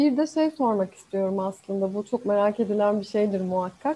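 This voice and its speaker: A woman with a dark, mellow tone speaks at a moderate pace. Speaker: university career center moderator; career center moderator. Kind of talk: moderated online interview. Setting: online video event. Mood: polite, friendly. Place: home room. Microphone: earbuds.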